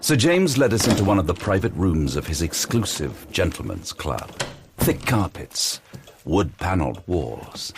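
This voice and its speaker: A man's voice: low-pitched, very animated, a little slow, noisy background, full character voice. An actor playing a brooding, haunted detective who narrates his own story intensely in an audio drama. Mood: measured.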